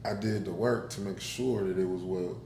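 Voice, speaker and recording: Low-voiced Black Southern man, folksy podcast guest. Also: steady tone, moderate pace, warm tone, slight background noise. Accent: Black Southern American. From Alabama, southern US. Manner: folksy, colloquial. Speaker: podcast guest, whiskey brand founder. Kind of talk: casual conversation. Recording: echoey room, faint music behind.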